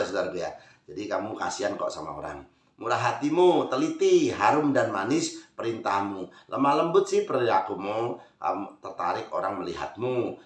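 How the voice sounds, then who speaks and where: A man giving a casual spoken horoscope reading, chatty, calling listeners brothers and sisters and swinging between loud stresses and soft asides. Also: fairly low pitch. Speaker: zodiac fortune reader. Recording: roomy echo.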